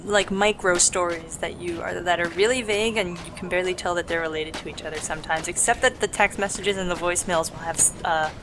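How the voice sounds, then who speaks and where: A woman's voice: lowish voice, fairly even intonation, fast, few pauses, noisy background. A woman doing casual let's play commentary, with dry, self-deprecating humour. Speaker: game player and commentator.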